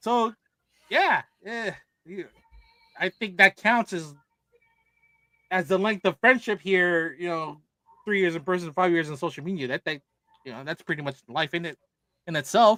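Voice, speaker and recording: Over background music, a man with a high pitch talks at a moderate pace, his loudness swinging widely and his speech broken by long, frequent pauses. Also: ordinary pitch variation. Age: 40s. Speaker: podcast co-host. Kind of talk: casual chat.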